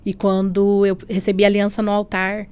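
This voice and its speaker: Mulher brasileira contando seu testemunho. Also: female voice, medium pitch, completely flat delivery, moderate pace, darkish tone, clear, resonant tone. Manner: earnest, often adds "né?" and "assim". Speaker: guest telling her testimony. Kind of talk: emotional personal testimony in a podcast interview.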